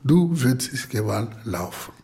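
A man in German, retelling and explaining a story in a deliberate way. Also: mid-range voice, sing-song, vocal fry, darkish tone, faint music behind. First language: not German. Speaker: interviewee. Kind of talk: unscripted retelling.

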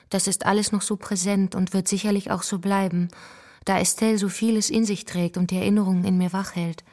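A woman giving a measured, scripted reading for a radio feature. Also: medium pitch, warm tone. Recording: music under the voice. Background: music.

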